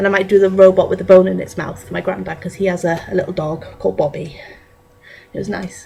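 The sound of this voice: Delivered at a fast pace with little pitch movement, the voice has a dark, mellow tone, a slightly husky edge and vocal fry. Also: woman, fairly low pitch for a woman.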